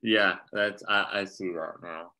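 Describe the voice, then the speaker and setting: A man in a table read discussion, curious and agreeable, asking questions and quickly agreeing. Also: low-pitched, steady tone, bright, forceful tone. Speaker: cast member. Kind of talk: casual discussion.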